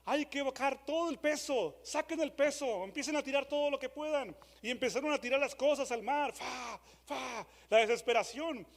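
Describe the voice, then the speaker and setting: A man preaching a dramatic sermon, moving from loud re-enacted shouts to hushed questions. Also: very high-pitched, fairly quick, few pauses. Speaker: pastor. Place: church hall. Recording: long church hall reverb.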